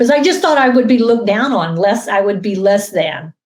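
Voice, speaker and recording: A woman speaks with ordinary pitch variation. Her voice is somewhat breathy. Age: 60s. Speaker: entrepreneur. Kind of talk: casual chat.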